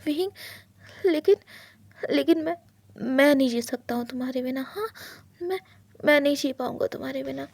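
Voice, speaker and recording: A woman voicing an anguished young husband who fears being left, in whispered role-play, halting and pleading. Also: high-pitched, gravelly, no echo. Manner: pleading, halting, repeats words. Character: anguished young husband, clingy and afraid of abandonment.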